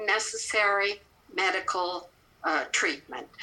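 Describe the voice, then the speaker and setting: Amid noticeable background noise, a woman with a Canadian accent talks at a very slow pace and a medium pitch. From Canada. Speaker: health care activist. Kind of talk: casual remarks at an online event. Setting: video call. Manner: halting.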